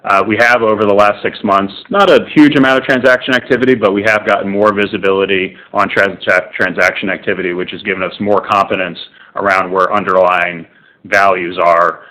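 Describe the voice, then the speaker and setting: A man's voice: deep voice, fairly even intonation, fairly quick, pushed and bright, poor audio. A man speaking as a company executive, making structured, emphatic points in an unscripted call answer.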